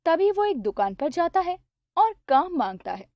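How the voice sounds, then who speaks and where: A woman narrating a cartoon story in a steady, plain storybook way. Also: extremely high pitch, normal speed, no room sound.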